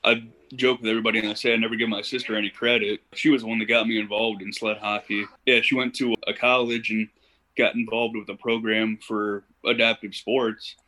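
A man's voice: lowish voice, little pitch movement, a little fast, bright, forceful tone, low-quality recording. A young man from Ohio, a podcast guest, chatting casually and telling stories in an easygoing way with plenty of "you know.". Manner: easygoing storyteller, uses fillers like "you know". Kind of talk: casual interview chat.

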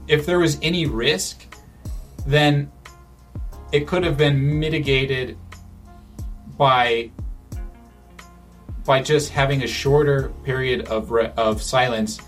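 A man chatting casually in a conversation, thinking aloud with many restarts and fillers. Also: mid-range voice. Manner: thoughtful, with frequent restarts and fillers.

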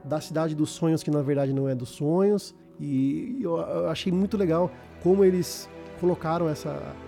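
A man's voice: a little high, normal speed, creaky, mellow, faint music behind. A Brazilian man chatting casually as a podcast host, slangy and often repeating words as he searches for phrasing. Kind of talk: casual chat about video games.

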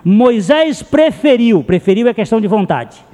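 Preaching with passion, a pastor tells stories and repeats phrases to stress them. His voice sits high with big pitch swings, a dark tone and normal speed, and the recording carries a long hall reverb.

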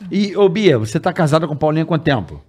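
Dude, slangy and relaxed, a bit higher voice, telling stories. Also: male voice, fast talker. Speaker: podcast co-host. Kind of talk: casual chat.

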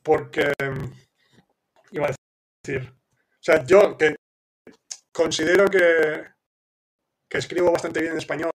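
A man's voice: on the high side, fairly even intonation, slow pace, long pauses. A man who speaks Spanish as his first language, hosting a live question-and-answer session, thinking aloud with many restarts and fillers and checking in with his listeners.

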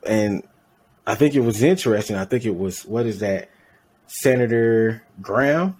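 Husky-voiced man chatting casually. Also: lowish voice, moderate pace, darkish tone. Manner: rambling, self-correcting, laughs at own slips. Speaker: podcast co-host. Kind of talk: casual chat.

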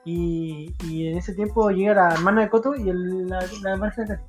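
A young Chilean man telling a story to friends at a quick clip. He acts out the voices of the people in it and drops slang constantly. Faint music plays behind him. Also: high voice. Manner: animated, acts out quoted voices, heavy slang. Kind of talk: casual chat.

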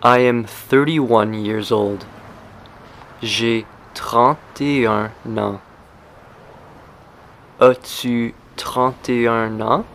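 Very slow-speaking male language teacher. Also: mid-range voice, steady tone, fairly bright tone, slight background noise. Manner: very slow and deliberate, repeating phrases. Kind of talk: slow scripted language lesson.

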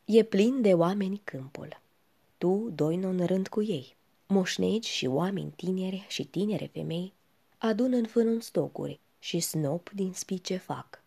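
A woman reciting poetry slowly and softly, often sinking to a whisper. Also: fairly low pitch, creaky, husky. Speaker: reader.

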